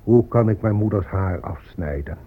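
An actor playing a grieving, weary Native American chief, solemn and declamatory, in a radio drama. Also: male voice, expressive. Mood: grave, reproachful. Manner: slow, declamatory, mournful. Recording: muffled lo-fi tape with faint rumbling noise.

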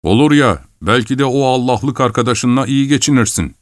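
A man voicing a burly, rough male frontiersman who taunts in a loud, scornful way in an audiobook. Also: medium pitch, moderate pace, dry recording, clean studio sound, voice pushed up, natural voice. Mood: taunting. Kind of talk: audiobook character voice.

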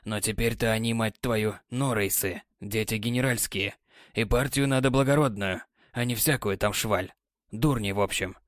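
A man voicing a weary, gruff sea captain who is a tender husband, speaking low with sighs and mutters. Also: normal speed, no echo, studio quality, lightly acted. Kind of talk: audiobook character voice.

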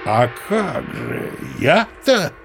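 A man's voice: high-pitched, big pitch swings, drawn-out words, fairly bright tone, slight background noise, exaggerated voice. An actor playing a grandiose, boastful old sea captain in an audio play, savouring his phrases theatrically. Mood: boastful, nostalgic. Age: older. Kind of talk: audio play character acting.

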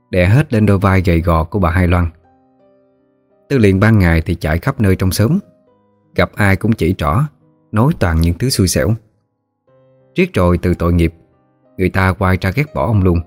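A man narrating a ghost story in a steady, unhurried way. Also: sits low.

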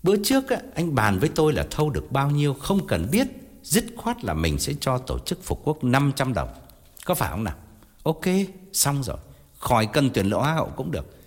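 A cool, blunt middle-aged man shrugs everything off, as a male narrator puts him on. His husky voice rises and falls a great deal, and a long reverb lingers around it. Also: medium pitch, a little fast. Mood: mocking. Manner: flat, curt and offhand.

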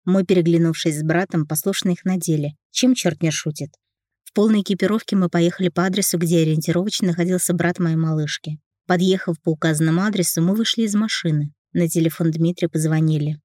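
A woman reading a novel aloud in an even storytelling manner, narrating as a first-person male narrator. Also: fairly low pitch, fast, no echo, clean studio sound. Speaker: audiobook reader.

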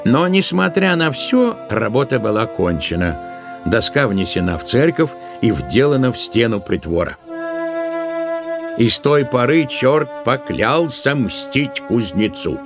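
A man narrating a literary tale for an audio play in an expressive, deliberate way, drawing out certain words. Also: mid-range voice. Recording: music behind the voice. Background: musical accompaniment.

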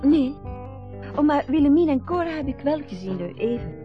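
A woman's voice: high voice, lively intonation, normal speed. A woman acting in a radio drama, playing a reserved, polite visitor with an understated, brief way of talking. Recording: muffled radio play recording, faint music.

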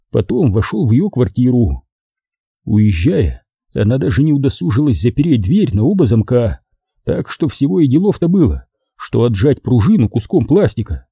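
A man narrating an audiobook in first person, measured and wry. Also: medium pitch, sing-song, creaky, mellow, slightly rough, dry recording, clean studio sound.

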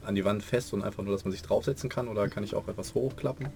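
Low-voiced male player asking questions. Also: steady tone, racing, vocal fry, darkish tone. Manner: questioning, hesitant. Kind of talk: casual tabletop game talk.

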